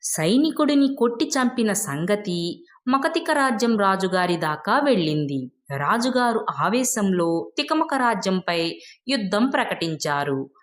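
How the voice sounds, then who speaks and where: A woman's voice: mid-range voice, very animated, unhurried. A woman narrating a scripted moral story as a storyteller.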